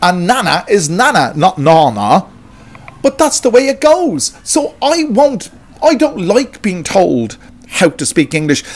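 A man's high-pitched voice in an Irish accent, fairly slow, with very wide pitch swings. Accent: Irish (Hiberno-English). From Dublin, Ireland. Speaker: English teacher. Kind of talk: casual talk to camera.

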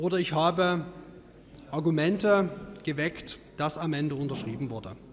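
Here a man has an unremarkable speaking voice with a fairly high pitch. He speaks at a moderate pace with ordinary pitch variation. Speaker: city councillor. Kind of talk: council debate speech. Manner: indignant.

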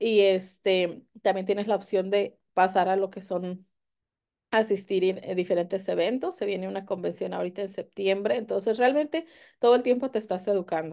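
In a quiet background, a woman with a dark, mellow tone speaks at a moderate pace with ordinary pitch variation. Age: 30s. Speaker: direct-sales entrepreneur; presenter. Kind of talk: sales pitch. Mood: upbeat, enthusiastic. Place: home room. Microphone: webcam.

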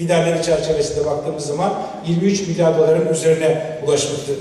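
Strong room echo carries a man's voice, which has fairly even intonation. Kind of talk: formal speech. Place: hall. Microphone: podium.

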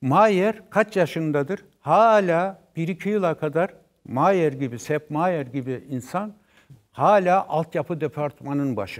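On a quiet background, a man with a fairly high voice speaks very slowly, his intonation lively. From Turkey. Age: 60s. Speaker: former football coach. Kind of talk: interview. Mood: earnest, somewhat aggrieved. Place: studio. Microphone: lapel.

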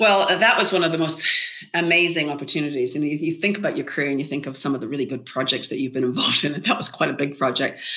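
Talking very fast amid noticeable background noise, a woman with a very deep, low pitch shows ordinary pitch variation. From New Zealand (raised in Canada to 15, born Scotland). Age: 50s. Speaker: sports administrator and former Olympian. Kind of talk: interview. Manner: halting with repetitions and fillers.

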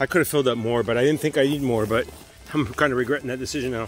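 The voice has ordinary pitch variation and a dry sound with no echo, with faint music in the background. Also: man. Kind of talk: casual vlog chat. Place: forest. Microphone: earbuds.

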